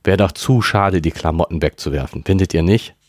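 A man's voice: sits low, brisk, no echo, studio quality. A man reading aloud voices Claudia, a reflective teenage girl who talks in a thoughtful, confiding way.

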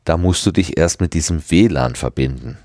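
A man's voice: rumbling low, normal speed, a little mellow, no echo, studio quality. A man reading aloud, voicing a touchy, sulky teenage schoolboy in a grumbling tone.

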